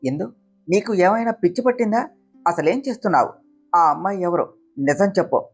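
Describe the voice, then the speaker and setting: Woman doing a stern big sister, scolding, husky and a bit low. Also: expressive, a little fast, soft background music. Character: stern protective elder sister.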